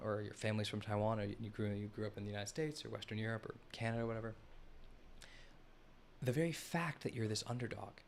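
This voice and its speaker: A lower-pitched man hosts a live stream and talks through a map in loose, unscripted commentary. He often stops and restarts his sentences and speaks straight to the chat. A faint hiss sits under the recording. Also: gravelly. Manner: rambling, self-correcting, addresses the chat. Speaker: host of a live analysis stream.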